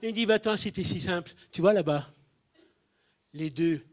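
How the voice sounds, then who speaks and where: Lively storytelling man preaching. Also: sits high, normal speed. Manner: animated, acts out quoted voices, jumps in loudness. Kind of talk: humorous sermon storytelling.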